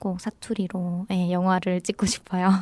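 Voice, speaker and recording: A woman speaks at a medium pitch in a dark, mellow tone. The sound is dry and close with no echo, and the recording is very clean with a silent background. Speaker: film director. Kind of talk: interview.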